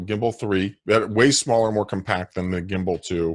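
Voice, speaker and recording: An ordinary speaking voice. It moves at a moderate pace with ordinary pitch variation. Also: man. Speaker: real estate coach. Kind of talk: casual chat.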